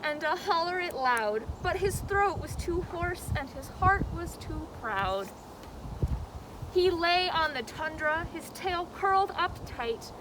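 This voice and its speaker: A high-pitched woman hosts story time as a zoo educator, expressive and dramatic in her delivery. Clear outdoor noise, with some vehicle rumble, sits behind her voice. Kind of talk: animated children's storybook reading and educational talk.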